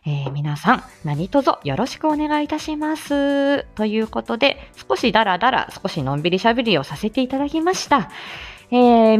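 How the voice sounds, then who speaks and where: A woman hosting a live stream, chatting casually with frequent laughter and many fillers. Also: fairly high pitch. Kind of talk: casual chat.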